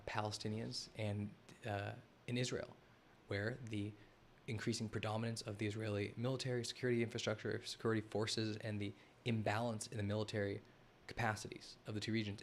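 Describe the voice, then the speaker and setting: A man's voice: lowish voice, a little hiss or hum. A man hosting a live stream, talking loosely over a map, often restarting his sentences and speaking to the chat. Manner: rambling, self-correcting, addresses the chat. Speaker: host of a live analysis stream.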